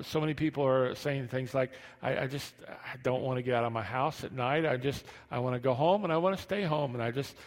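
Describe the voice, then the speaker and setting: Gravelly preacher with missing teeth, echoing hall. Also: male voice, medium pitch. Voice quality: slightly slurred speech from missing teeth. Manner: halting, repeats phrases for emphasis. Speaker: pastor preaching. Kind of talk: conversational sermon. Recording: long hall reverb.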